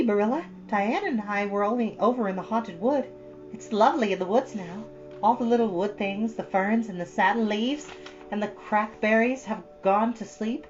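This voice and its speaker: A woman's voice: on the high side, highs cut off, voice pushed up, natural voice. A woman voicing a chatty, earnest thirteen-year-old girl from a storybook, rambling with solemn drama. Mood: dreamy, eager. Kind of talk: storybook character reading.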